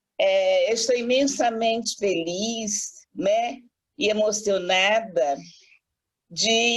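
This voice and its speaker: This woman's voice shows ordinary pitch variation. It sits fairly high. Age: 70s. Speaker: spiritist center member. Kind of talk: meeting testimony.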